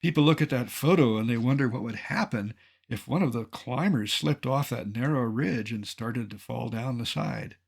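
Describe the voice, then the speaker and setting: A man in his seventies from Colorado, a naturalist giving an illustrated lecture with dry, wry humor and a measured delivery. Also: medium pitch, gravelly, slightly rough. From Colorado, United States. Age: 70s.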